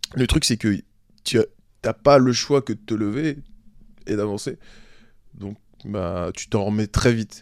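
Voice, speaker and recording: The sound is dry and close with no echo. A man speaks at a very slow pace, with long, frequent pauses. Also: fairly low pitch for a man, ordinary pitch variation, very clean recording, silent background. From France, grew up in a housing estate. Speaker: adventurer, traveller. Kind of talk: casual chat.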